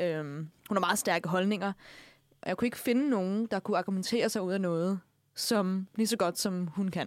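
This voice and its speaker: On a very clean recording with a silent background, a woman uses a plain, everyday voice at medium pitch with ordinary pitch variation. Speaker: podcast host. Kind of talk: casual chat.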